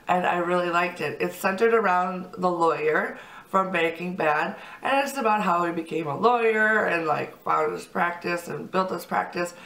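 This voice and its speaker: A woman's voice: lowish voice, fairly bright tone, reverberant, far from the mic, poor audio. Congested chatty woman vlogger. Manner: chatty, upbeat, lots of fillers. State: congested from a cold. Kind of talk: casual chat to camera.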